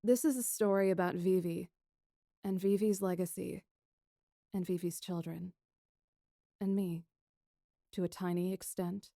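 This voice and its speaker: A woman's voice: lowish voice, fairly even intonation, a little slow, vocal fry, pauses often, mellow, no room sound, clean studio sound. A woman playing a spirited, wry nineteen-year-old princess engineer, telling her story theatrically in a fantasy audio drama. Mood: wry, reflective. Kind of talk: first-person scripted narration, fan audio fiction.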